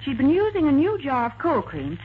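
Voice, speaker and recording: An American actress playing a bright, sympathetic detective's secretary in a 1940s radio crime drama, expressive and chatty. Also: female voice, high voice, brisk. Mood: bright, confident. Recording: muffled, noisy 1940s radio recording.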